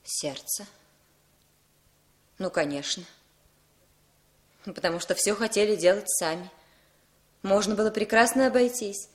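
Actress as a controlling young woman: brisk, firm, commanding, 1960s radio drama. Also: medium pitch, close to an everyday voice.

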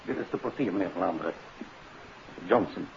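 Deep-voiced formal police inspector. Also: male voice, animated, moderate pace, vocal fry. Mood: businesslike, polite. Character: businesslike, obliging male police inspector. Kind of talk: 1950s Dutch radio drama acting. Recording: muffled, noisy 1959 radio recording.

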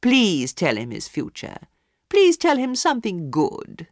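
A woman voicing an imperious, demanding society lady who talks loudly and insistently. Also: huge pitch swings, unhurried, no room sound, clean studio sound. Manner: loud, demanding, shrill. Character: imperious society hostess, lady, middle-aged.

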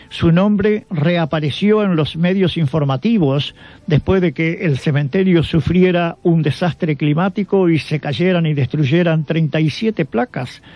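A radio show host with an Argentine accent reads a scripted biographical narration in a fairly high voice with no echo. The sound is dull and lo-fi, with music playing in the background.

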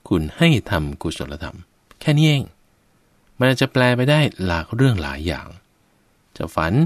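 A man's voice: sits low, no room sound. A man giving a Buddhist sermon, addressing his listeners directly and explaining with everyday examples. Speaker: Buddhist preacher.

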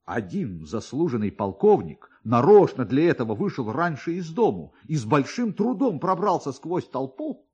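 A man reading a satirical literary story for radio in a theatrical, expressive way, with pointed pauses and emphasis. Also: fairly high pitch, slightly rough, highs cut off. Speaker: narrator, actor reading a classic satirical story. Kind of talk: dramatic literary narration for radio.

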